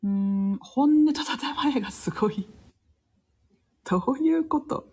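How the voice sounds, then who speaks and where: Woman host, casual live-stream chat, husky and lively, laughs between comments. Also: high voice, measured pace. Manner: chatty, laughs often, reads comments aloud. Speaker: livestream host reading listener comments.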